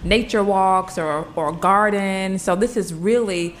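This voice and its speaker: A homesteader in her forties from Hampton, Virginia, is a guest in a casual interview, telling her story with candid, self-deprecating humor. Her voice is medium-pitched and slow, with slight background noise.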